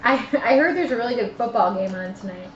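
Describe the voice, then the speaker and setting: A woman's voice: on the high side, expressive, fast talker. A woman chatting casually and bluntly as a player in a tabletop game, joking with the group. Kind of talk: casual banter during a tabletop game stream. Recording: roomy, muffled audio with other voices around.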